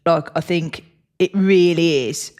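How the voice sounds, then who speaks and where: A woman's voice: on the low side, slow pace, darkish tone. A woman with a Black Country accent co-hosting a podcast in casual chat, easygoing and agreeable, often answering with short "yeah"s. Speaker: podcast co-host.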